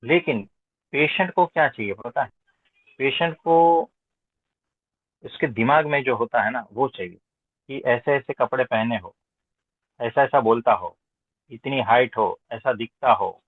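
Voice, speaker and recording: A man's voice: mid-range voice, a little slow, pauses often. Man giving spiritual teaching, thin echoey sound. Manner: didactic, emphatic repetition, rhetorical questions. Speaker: spiritual teacher answering seekers' questions. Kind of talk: informal spiritual discourse, question and answer. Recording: roomy echo, thin phone-like sound.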